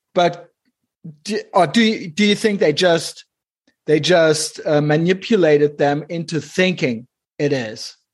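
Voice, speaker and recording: Someone speaks in a German accent at a fairly slow pace. Long, frequent pauses break up the speech. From Germany. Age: 40s. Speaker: podcast host. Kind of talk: interview. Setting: video call. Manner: halting.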